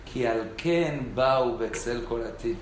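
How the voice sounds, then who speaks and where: A man delivering a Jewish sermon, telling stories with sudden loud bursts of emphasis and lively shifts in his voice. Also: medium pitch, slow pace. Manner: animated storytelling with sudden loud emphatic peaks. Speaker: rabbi. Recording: echoey room with faint background hiss.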